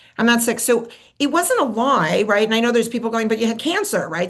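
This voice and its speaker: Talking at a very fast pace, a woman uses a high pitch with lively intonation. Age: 50s. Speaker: chiropractor. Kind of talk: interview.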